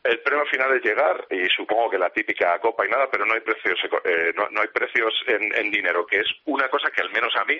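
Low voiced man, talks fast but stumbles and repeats, polite radio guest. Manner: halting, repeats words, courteous. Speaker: interview guest, car magazine editor. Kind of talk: casual radio interview. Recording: slightly muffled radio audio.

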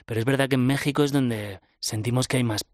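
A man's voice: mid-range voice, fairly even intonation, quick pace, no room sound, clean studio sound. A man with a Castilian Spanish accent chatting casually as a musician being interviewed. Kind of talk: casual chat.

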